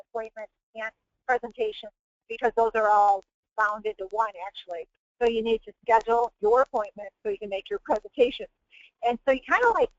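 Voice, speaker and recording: Female webinar host, higher voice, explanatory coaching delivery that circles back to rephrase; dry, slightly muffled lo-fi audio. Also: no echo.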